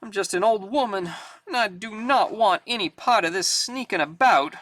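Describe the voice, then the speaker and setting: A man's voice: high-pitched, lively intonation, moderate pace, a bit bright, no echo. A man voicing a prim, nervous older woman in a read-aloud comic. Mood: flustered. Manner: prim, flustered.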